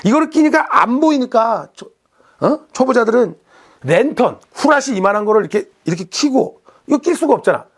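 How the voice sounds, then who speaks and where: A man's voice: very high voice, brisk, husky. A male comedian hosting his show, telling a funny story and acting out the people in it. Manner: animated anecdote telling, acting out characters. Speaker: comedian host. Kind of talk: stand-up storytelling.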